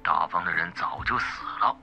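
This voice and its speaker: Man acting a gravelly, cold crime boss. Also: deep voice, normal speed, dull audio, soft background music, voice pushed down. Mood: cold, guarded. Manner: curt, menacing, commanding. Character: cold, suspicious older crime boss on the phone, male. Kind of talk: audiobook character acting.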